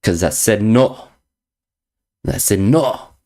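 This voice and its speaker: A man's voice: fairly low pitch, expressive, slow, mellow. A man streaming chess, chatting casually with viewers in a playful, teasing way, repeating jokey slang phrases. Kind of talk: casual chat reading viewer messages.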